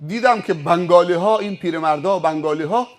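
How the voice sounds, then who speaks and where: A man preaching a sermon, telling stories emphatically and acting out the scenes. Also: high voice. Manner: emphatic, vivid, acts out scenes. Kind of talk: sermon with dramatized storytelling.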